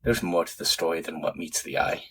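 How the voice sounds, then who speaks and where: A man playing a mysterious, conspiratorial stranger in an audio drama, raspy and measured, with an ominous, secretive manner. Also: sits low, a bit bright. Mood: ominous, persuasive.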